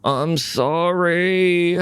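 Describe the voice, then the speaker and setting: A British man voicing a greedy, hot-tempered male trickster spider in a folk tale, with drawn-out, exclamatory pleas and demands. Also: high-pitched, a bit bright, clear, resonant tone, dry recording, studio quality, voice pushed up, full character voice. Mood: pleading.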